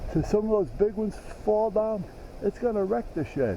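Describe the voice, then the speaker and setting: The talking proceeds at a moderate rate, and background noise can be clearly heard throughout. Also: man. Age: 70s. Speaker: homeowner vlogger. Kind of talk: casual walkthrough rant to camera. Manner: animated, aggrieved.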